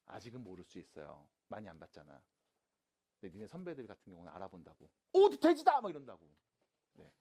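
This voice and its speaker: A man teaching math to high school students in a classroom, casual and teasing, switching between polite and plain speech. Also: animated, fast, darkish tone. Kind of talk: classroom lecture.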